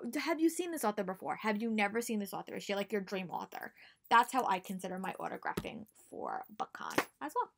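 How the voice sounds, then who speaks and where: With a medium-pitched, slightly bright voice, a young American book vlogger talks to camera in a small room at home. Her advice is casual and chatty, delivered emphatically with repeated words for stress.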